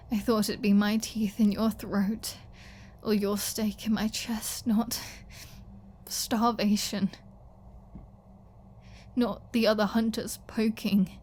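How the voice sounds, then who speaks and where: A woman playing a flirty, starving captive vampire in an ASMR roleplay, halting and teasing, with breathy asides and pleading. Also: on the high side, a little mellow. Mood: bitter, weary. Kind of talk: ASMR roleplay audio drama.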